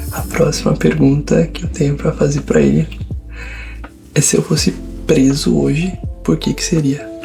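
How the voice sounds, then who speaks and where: Over music in the background, a man speaks at a moderate pace in a tired, relaxed tone, leaving long, frequent pauses. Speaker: ASMR content creator. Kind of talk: casual talk to camera, soft-spoken ASMR conversation.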